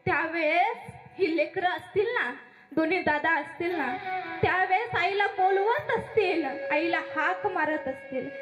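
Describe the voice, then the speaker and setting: A woman's voice: very high voice, a little slow, a bit bright. A woman kirtan preacher giving a devotional sermon at a memorial gathering, repeating her points with emphasis and addressing listeners as maharaj. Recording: echoey room with faint music.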